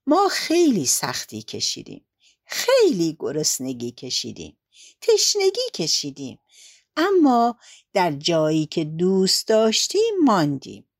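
A woman's voice: mid-range voice, no echo, clean studio sound. A woman voicing a big, wise white goose who speaks in an earnest and persuasive way.

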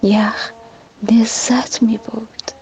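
A woman reading a children's story aloud, calm and soft, as storyteller on a radio program. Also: a little high. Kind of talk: scripted narration. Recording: dull lo-fi radio sound with soft music.

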